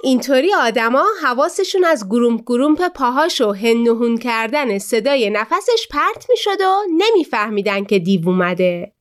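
A woman narrating a children's story slowly and expressively. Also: on the high side, very animated.

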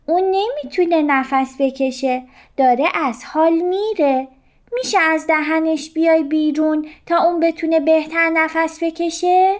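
A woman's voice: very high voice, pitched above the performer's own voice. A woman voicing a small, friendly young fish, calling out eagerly in a raised, childlike tone. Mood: eager, worried. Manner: raised, urgent, childlike calls.

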